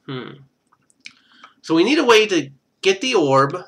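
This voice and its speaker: A man with a bright, fairly high voice narrates a game's on-screen text with very lively pitch while live streaming. At a measured pace, he moves into casual talk laced with wry sarcasm.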